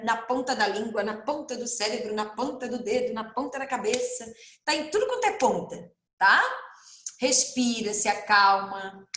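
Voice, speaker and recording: A woman with a Brazilian accent teaching a recorded lesson to first graders, speaking slowly and stressing each syllable in a sing-song way. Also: a little high, a bit bright. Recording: roomy echo.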